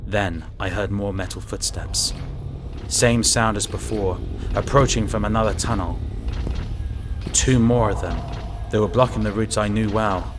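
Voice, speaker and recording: A man's voice: on the low side, noisy background, lightly acted. A man playing a wary lone inspector who narrates and acts out his ordeal in an audio drama, tense and dramatic. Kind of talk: first-person audio drama narration and acting.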